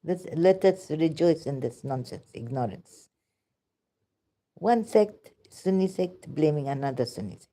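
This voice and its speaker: Low-voiced woman with Pakistani accent. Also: expressive, unhurried, mellow. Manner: sarcastic, emphatic, with broken English. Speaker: vlogger. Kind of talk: rambling religious commentary.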